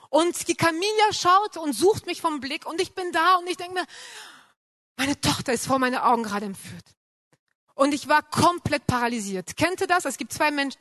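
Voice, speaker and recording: A woman's voice: high-pitched, dry recording. Earnest woman with German. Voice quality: non-native German grammar, emotional storytelling. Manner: earnest, builds intensity then drops soft. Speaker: pastor. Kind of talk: personal testimony.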